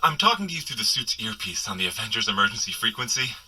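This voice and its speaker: An actor playing a sheepish, wisecracking hungover superhero, chatting and rambling self-deprecatingly in a comedic audio drama. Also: male voice, lowish voice, very animated, fast talker, pushed and bright, breathy edge, full character voice.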